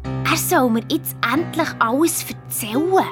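A woman voicing a headstrong, hot-tempered young girl in an audio drama, narrating in a lively, indignant way with a Swiss German accent. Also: high voice. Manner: lively, indignant, quick to flare up. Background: faint background music.

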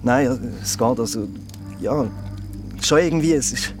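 A young man with a Swiss German accent playing an edgy, defensive young man in a radio play, snapping and then halting. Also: mid-range voice, natural voice. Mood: shaken. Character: stressed young man Phil, jumpy and defensive. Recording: music bed underneath.

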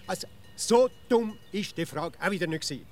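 A man's voice: high-pitched, expressive, a little fast, darkish tone. An actor with a Swiss accent playing a grumpy, impatient man in a children's radio play, grumbling and sarcastic. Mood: exasperated. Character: grumpy, impatient know-it-all grown man.

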